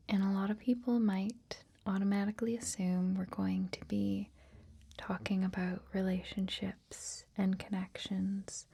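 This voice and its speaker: Slow, breathy whispering woman. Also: mid-range voice. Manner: gentle, slow, hushed, reassuring. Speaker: host of a guided meditation series. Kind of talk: whispered ASMR guided meditation talk.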